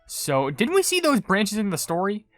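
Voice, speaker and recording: Male gaming host, chatty and very animated, dry close sound with light music underneath. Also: sits high, moderate pace, no room sound. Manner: chatty, rambling. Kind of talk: casual commentary, reading viewer comments.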